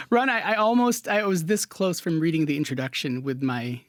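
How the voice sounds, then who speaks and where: A man's voice: a little high, big pitch swings, normal speed, no room sound, clean studio sound. A male host interviewing a guest, friendly and a bit hesitant as he asks questions. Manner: friendly, hesitant, with many fillers and restarts. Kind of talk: conversational interview.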